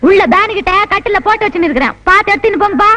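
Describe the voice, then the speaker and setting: An actress playing a sharp-tongued, bossy poor village woman in an old film comedy. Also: extremely high pitch, expressive, very fast, a little hiss or hum, heavily acted. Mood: scolding. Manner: scolding, bossy. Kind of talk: 1980s Tamil film comedy.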